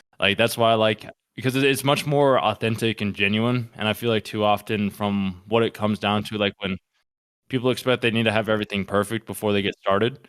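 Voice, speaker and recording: Fairly quick and with fairly even intonation, a man's fairly low voice comes through a very clean recording with a silent background and a dry, close sound with no echo. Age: 20s. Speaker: podcast host. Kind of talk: casual chat. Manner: halting.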